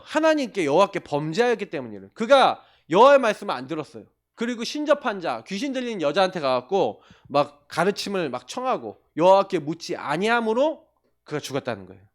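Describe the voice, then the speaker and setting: Animated, high-voiced male pastor preaching. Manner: animated storytelling, addresses listeners directly and calls himself the pastor; poses questions and answers them himself. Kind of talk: sermon to young people.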